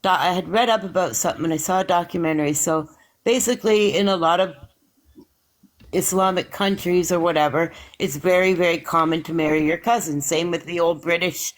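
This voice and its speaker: A man's voice: a little high, brisk, rough recording. A man in casual chat, rambling through explanations with frequent restarts and hedges.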